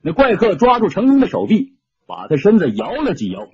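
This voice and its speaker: A man's voice: high voice, wildly swooping pitch, fairly quick, darkish tone, breathy edge, dry recording, highs cut off. A man narrating an audiobook story dramatically, shifting his tone with the action.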